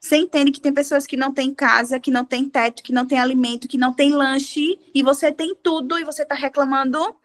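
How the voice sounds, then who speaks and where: A woman and mother sharing a personal testimony in a casual women's devotional chat, telling her stories with lively acted-out dialogue. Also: sits high, brisk, hardly any pauses. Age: adult with a child. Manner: animated storyteller, acting out dialogue. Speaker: devotional group participant.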